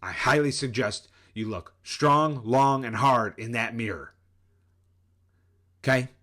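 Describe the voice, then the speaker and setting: A middle-aged man in the middle of a motivational rant, worked up and sweating as he lectures the viewer head-on. His voice sits in an ordinary middle pitch, and his delivery is intense and preachy. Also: slow pace, sharp tone. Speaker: life coach and channel host.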